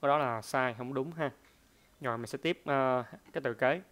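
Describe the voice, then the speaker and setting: A man's voice: mid-range voice, normal speed, fairly bright tone, smooth. A man teaching a pronunciation lesson. He hesitates often, uses many fillers, and repeats each word several times to demonstrate it.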